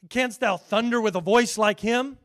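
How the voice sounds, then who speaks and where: High-voiced man preaching a sermon. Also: moderate pace. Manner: earnest preaching, rising loud on scripture, dropping quiet for asides. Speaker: pastor.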